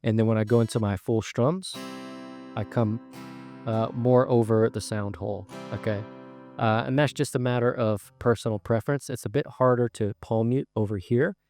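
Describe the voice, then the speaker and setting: A man teaching a guitar song in a casual, explanatory way, often pausing with uh and um. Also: mid-range voice. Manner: relaxed, explanatory, many fillers like uh and um. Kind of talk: casual spoken guitar lesson.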